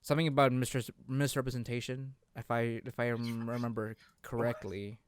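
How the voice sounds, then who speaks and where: A man's voice: mid-range voice, flat delivery, normal speed, smooth, no room sound, studio quality. A man talking casually as co-host of a gaming discussion, a little hesitant and often repeating himself. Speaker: co-host of a video game discussion show. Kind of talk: casual chat.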